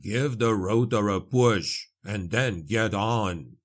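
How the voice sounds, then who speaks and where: Casting: male reader as grim dwarf fighter, slow, low, muttered gruff orders, impatient temper, fantasy audiobook. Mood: impatient, commanding. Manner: grunting, muttering, terse commands.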